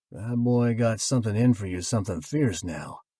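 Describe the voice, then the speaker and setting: A man puts on a guttural, sing-song character voice at medium pitch. He talks at a moderate pace in a very clean recording with a silent background. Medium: read story. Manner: folksy, sing-song, easygoing.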